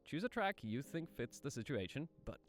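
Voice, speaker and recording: A man's voice: mid-range voice, sing-song, normal speed. A man narrating a casual explainer video as an aspiring voice actor, informal and self-deprecating, posing rhetorical questions.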